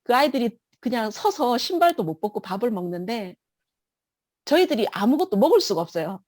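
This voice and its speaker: Woman, church testimony, emotional storytelling, fairly high voice, dry close sound. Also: big pitch swings, fairly quick, darkish tone, dry recording. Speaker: church member giving testimony. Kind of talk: personal testimony.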